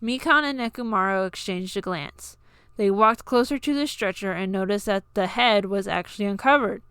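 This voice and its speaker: A woman's voice: medium pitch, normal speed, fairly bright tone, clean tone, dry recording, studio quality. A woman reading scripted fiction aloud as an amateur audiobook narrator.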